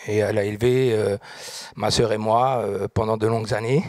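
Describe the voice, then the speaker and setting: A man's voice: on the low side, steady tone, moderate pace, darkish tone, no echo. A middle-aged man from France, answering a studio interview with many fillers and growing earnest as he speaks. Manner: hesitant, many fillers, grows more earnest. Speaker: guest, restaurant group founder. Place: studio set with audience. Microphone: handheld mic.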